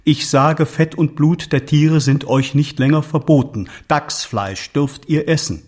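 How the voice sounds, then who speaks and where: A fervent early Christian zealot. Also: male voice, fairly high pitch, measured pace, darkish tone. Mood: fervent, embattled. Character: embattled, zealous male early Christian follower writing to his leader. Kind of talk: solemn radio drama monologue.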